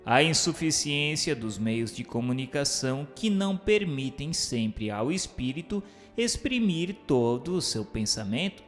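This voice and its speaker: A man's voice: a little high, sing-song, measured pace, hardly any pauses. A man reading scripted narration and questions for a radio drama in a formal, declamatory manner. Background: music behind the voice.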